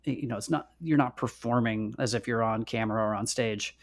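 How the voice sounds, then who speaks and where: A man's voice: medium pitch, fairly quick, gravelly. A man co-hosting a podcast livestream in a casual, conversational way. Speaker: podcast co-host.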